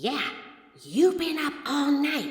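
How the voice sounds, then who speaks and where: Female-sounding put-on character voice with a clear echo. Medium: audio drama. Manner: wry, teasing.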